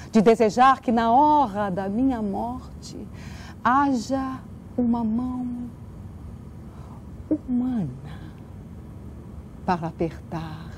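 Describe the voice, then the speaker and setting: A woman appears as a guest, speaking earnestly like a performer, mixing sincere interview talk with poetic recitation. Her voice is mid-range, with a little hiss or hum in the recording.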